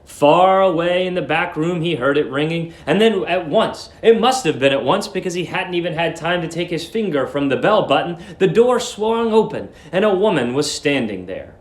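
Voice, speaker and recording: A man giving a dramatic narration of a story, theatrical and deliberate in his emphasis. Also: fairly high pitch, expressive, roomy sound.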